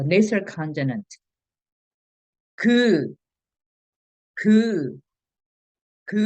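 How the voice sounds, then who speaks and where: A woman with a Korean accent, a native Korean speaker, teaching a language lesson slowly, pausing on fillers and restarting her sentences. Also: on the low side, warm tone, no echo. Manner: hesitant, many "uh" fillers and restarts. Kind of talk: slow explanatory lesson for learners.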